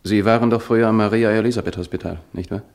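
Radio play role, male actor: hunted, injured young student, gravelly and low, anguished and pleading. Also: steady tone, fast, darkish tone, lightly acted. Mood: anxious, pleading. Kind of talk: German radio play acting.

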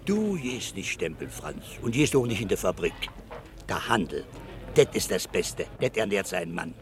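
Animated, persuasive working-class pal. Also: male voice, deep voice, normal speed, slight background noise. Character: persuasive working-class friend pushing the street trade. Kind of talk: radio drama dialogue.

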